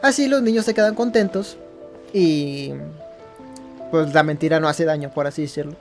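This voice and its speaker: A man's voice: a little high, fairly quick. A man hosting a gaming video, commenting casually and rambling as he searches for words and rephrases. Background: game music.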